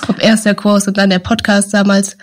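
A woman volunteer describing her podcast work as a guest in an interview, in a relaxed, matter-of-fact way. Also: mid-range voice, normal speed, slight background noise. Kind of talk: casual interview talk.

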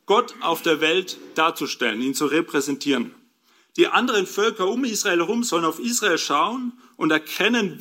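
A man's voice: fairly high pitch, bright, forceful tone. A man preaching a sermon, explaining scripture and asking his listeners rhetorical questions.

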